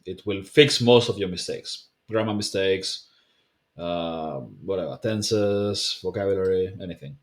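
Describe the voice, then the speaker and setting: Male language coach, non-native English speaker, lowish voice, loose conversational delivery. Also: measured pace. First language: not English. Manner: relaxed and conversational, frequent fillers and self-corrections. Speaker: language teacher. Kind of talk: casual explainer video, talking to camera.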